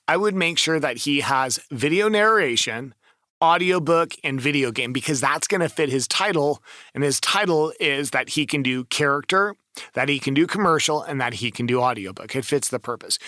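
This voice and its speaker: A man's voice: a little high, bright, forceful tone, no echo, clean studio sound. A man giving enthusiastic, emphatic advice as a voice-over coach in a casual screen-share review.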